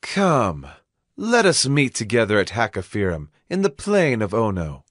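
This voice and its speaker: A man's voice: lowish voice, huge pitch swings, unhurried, a bit bright, no echo, studio quality, heavily acted. A man playing a sly, coaxing enemy envoy in a dramatized scripture reading. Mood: sly invitation. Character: sly male enemy envoy luring someone to a meeting.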